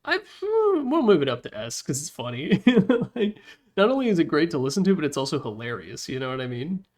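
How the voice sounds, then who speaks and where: A man's voice: a little high, wildly swooping pitch, fairly quick, darkish tone. A man giving casual, opinionated commentary in an informal, blunt way, as a gaming content creator.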